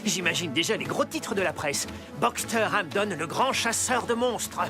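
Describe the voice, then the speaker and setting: Boastful, swooping cartoon dad. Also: male voice, sits high, animated, normal speed. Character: boastful, timid middle-aged cartoon dad. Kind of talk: French cartoon dub. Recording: loud music behind the voice.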